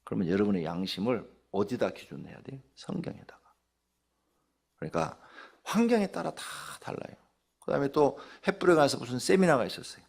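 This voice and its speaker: A middle-aged male pastor preaches with a wildly lively pitch, swinging from low murmurs to high emphatic peaks. His voice is gravelly and a little husky, and he tells stories and fires rhetorical questions at the congregation. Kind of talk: dawn service sermon.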